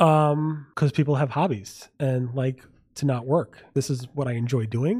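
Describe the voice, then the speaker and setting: The recording is very clean, with a silent background. A man speaks with a fairly high, somewhat breathy voice and ordinary pitch variation. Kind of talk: casual interview. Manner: fast talker, mumbles.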